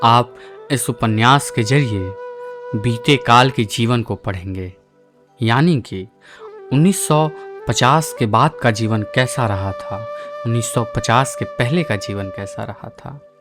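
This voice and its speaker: Over music in the background, a man talks at a medium pitch with ordinary pitch variation and big swings in loudness. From Uttar Pradesh, India. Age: 20s. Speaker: audiobook narrator. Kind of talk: audiobook introduction to camera.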